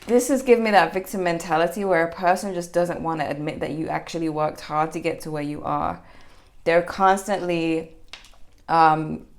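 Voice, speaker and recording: In a casual general tarot reading for her viewers, a woman rambles along with plenty of fillers and restarts. Her voice is on the low side and her speed is normal.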